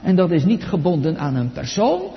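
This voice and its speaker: A man preaching a solemn, emphatic sermon to his congregation in church, stressing words slowly and deliberately. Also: a little high, very animated, vocal fry. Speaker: pastor. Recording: dull lo-fi church recording with long reverb.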